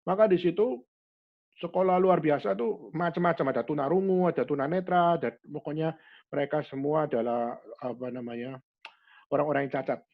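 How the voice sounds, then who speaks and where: A man preaching a sermon as a pastor, animated, dropping in English words and acting out quoted speakers. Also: a little high, a little fast, vocal fry, muffled recording. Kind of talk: sermon to a youth fellowship.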